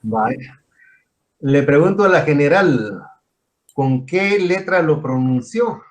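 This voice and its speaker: Slow and animated, with a fairly high pitch, a man from Guatemala leads an online engineering class. His style is explanatory, walking through each step and putting questions to his students.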